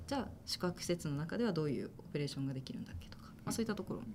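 Her pitch very deep and low, a woman speaks with very wide pitch swings. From Japan, Fukuoka. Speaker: startup executive. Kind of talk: business interview.

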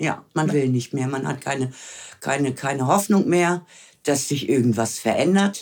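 The speaker is a woman with a dark, mellow tone. Her pitch varies in an ordinary way. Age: 60s. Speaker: patient with bipolar disorder. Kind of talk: interview. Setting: in person, seated together. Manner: halting, repeats words.

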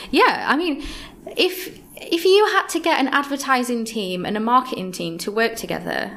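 A woman talks at a moderate pace in a high voice, her pitch swinging very widely, with noticeable background noise behind her. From Yorkshire, northern England. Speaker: security company founder. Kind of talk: interview.

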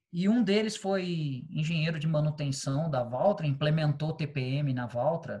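Somewhat breathy and dark, mellow in tone, a man speaks at a fairly high pitch and a fairly slow pace, with ordinary pitch variation and hardly any pauses. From São Paulo, Brazil. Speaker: Lean process specialist. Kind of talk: interview.

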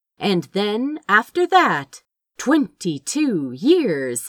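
The background stays quiet while someone reads aloud in a natural voice.

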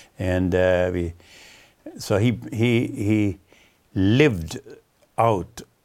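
A man speaks with a Swedish accent at a very deep, low pitch. His pitch varies in an ordinary way. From Sweden. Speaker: missionary, Bible smuggler. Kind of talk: testimony.

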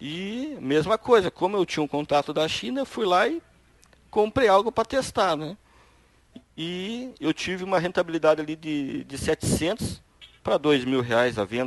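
In a dry, close recording with no echo, a man with a high voice speaks at a fairly slow pace with very wide pitch swings. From Curitiba, Brazil. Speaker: business owner. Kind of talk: interview.

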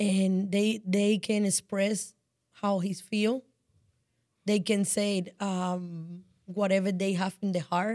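A woman with a strong Cuban accent speaks at a very slow pace, her medium-pitched voice held in a flat monotone. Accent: heavy Cuban Spanish-accented English. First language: Spanish. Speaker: real estate agent. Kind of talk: casual interview chat. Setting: studio.

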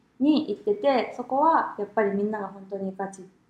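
The pace is moderate in this ordinary speaking voice. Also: woman. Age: 30s. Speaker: podcast host. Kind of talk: casual chat.

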